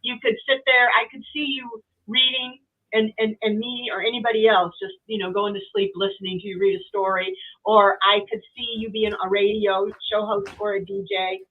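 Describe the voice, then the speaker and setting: A woman's voice: medium pitch, fairly even intonation, moderate pace. A middle-aged woman guest chatting casually on a live stream, telling stories and acting out what people said. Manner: chatty storyteller, acts out quotes. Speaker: guest tarot reader. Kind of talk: casual livestream chat. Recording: tinny phone-like call audio.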